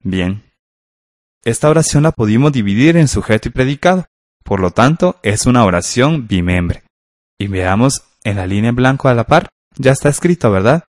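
A man co-teaching a scripted radio grammar class. He is calm and encouraging and asks confirming questions. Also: mid-range voice, normal speed, no echo, studio quality.

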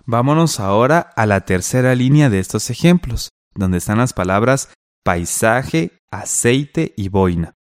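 A man teaching a radio class, reading out exercise instructions and examples in a clear, instructive way. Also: medium pitch, animated, measured pace, dry recording, clean studio sound. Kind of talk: scripted radio lesson.

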